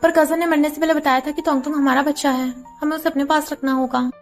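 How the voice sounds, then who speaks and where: A woman's voice: high voice, fairly even intonation, fast talker, faint music behind, close to an everyday voice. A woman voicing a determined young mother. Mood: firm.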